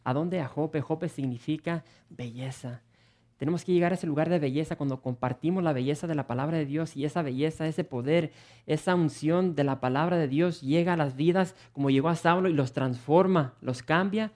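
A man preaching a sermon in an earnest, animated way, repeating words and restarting phrases as he asks his listeners rhetorical questions. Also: a little high, fairly quick. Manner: earnest and animated, with frequent word repetitions and restarts.

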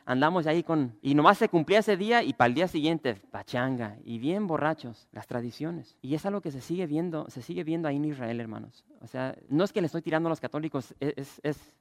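A man, a pastor preaching a lively sermon and asking the congregation questions. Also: a little high, fairly quick, hardly any pauses, no echo, studio quality.

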